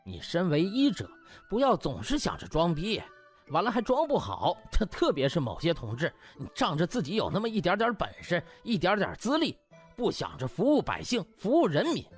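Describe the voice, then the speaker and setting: Man playing a high, mocking young doctor. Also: husky, exaggerated voice. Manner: mock-deferential, singsong needling. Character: cocky, sarcastic young male doctor mocking his superior.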